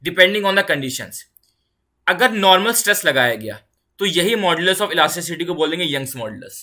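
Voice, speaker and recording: A woman's voice: lowish voice, animated, pushed and bright. A woman physics teacher giving an online exam-prep lecture, repeating key phrases and checking in often. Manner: repeats key phrases, mixes English terms into fast explanation; reassuring, checks in with "ठीक है".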